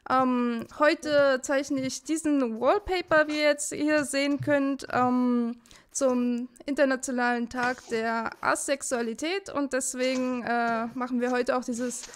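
Clear, high-voiced woman streamer. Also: fairly even intonation, slow pace. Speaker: host streamer. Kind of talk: casual livestream chat.

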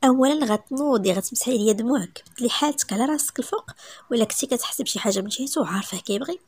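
A woman voicing a gentle middle-aged father who soothes his daughter, with a Moroccan accent. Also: on the high side, rapid-fire, slightly rough, dry recording. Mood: reassuring.

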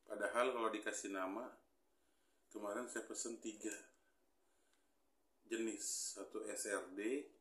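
In a small pink-walled room, a man in his thirties unboxes items on camera as a hobby vlogger, mumbling fillers and mild complaints as he thinks aloud. His lowish, fairly bright voice is fairly even and a little slow, with frequent pauses and reverberant sound.

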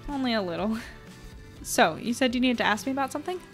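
A woman playing a practical, reassuring newspaper editor in an audio drama, casual and measured. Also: a little high, expressive, soft background music. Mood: friendly.

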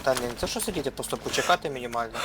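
A man's voice: mid-range voice, rapid-fire, very noisy. A man on gaming voice chat, repeating frantic callouts to his team. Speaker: gamer.

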